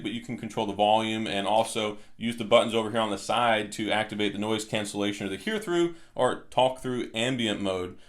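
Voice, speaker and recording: A man with a medium-pitched voice presents an unboxing in a casual, explanatory way. He talks like a product reviewer, going through each item step by step.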